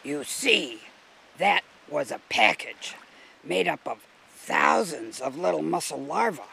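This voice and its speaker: Gravelly, slightly high storybook explainer, calm and patient, read by a man. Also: slow, a little hiss or hum, heavily acted. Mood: explaining.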